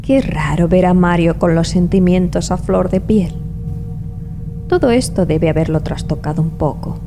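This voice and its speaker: An actress playing a warm, loyal, adventurous woman in an audio drama, soothing and affectionate. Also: fairly low pitch, normal speed, over music, close to an everyday voice. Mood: wistful, excited.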